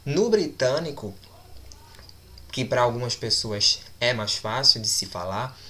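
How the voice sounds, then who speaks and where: A man teaching English numbers, speaking deliberately and repeating each word several times for his students. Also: medium pitch, animated, sharp tone, a little hiss or hum. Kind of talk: recorded language lesson.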